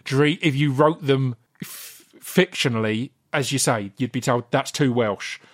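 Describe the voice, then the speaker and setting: An English man from Essex hosts a relaxed chat. He speaks at a middling pitch. He is eager and often trips over his words. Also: measured pace. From Essex, England. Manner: enthusiastic, stumbling over words. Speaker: podcast host. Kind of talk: casual interview chat.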